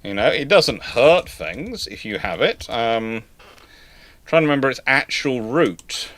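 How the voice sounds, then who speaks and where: Halting, drily humorous man hosting a Q&A. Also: mid-range voice, animated, a bit bright, dry recording. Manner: hesitant, halting delivery with repeated words. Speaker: host answering audience questions. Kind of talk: live history Q&A, informal commentary.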